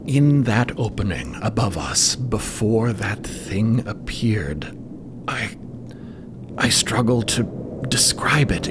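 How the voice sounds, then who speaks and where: A man voicing a troubled, courteous explorer who speaks haltingly and wordily in an audio drama. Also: mid-range voice, noisy background. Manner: halting, wordy, polite. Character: troubled, hesitant, courteous man of a cosmic expedition.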